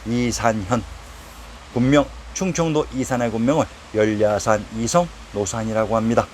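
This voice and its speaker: A man reading a formal lecture on old place names, reciting quotations from historical texts at a steady, even pace. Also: medium pitch, a little slow, a little hiss or hum. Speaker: narrator of a history lecture series. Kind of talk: read-aloud historical lecture.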